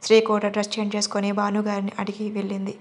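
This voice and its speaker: A woman's voice: medium pitch, completely flat delivery, very fast. A woman narrating an audio romance story, reading every part in one voice.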